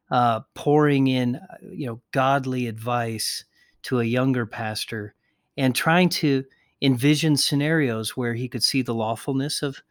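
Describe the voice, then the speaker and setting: A man's voice: medium pitch, no echo, clean studio sound. A man co-hosting a podcast discussion, talking earnestly and reading quotations aloud with small restarts. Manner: earnest, reads quotes aloud with pauses and restarts. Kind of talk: conversational discussion with quoted readings.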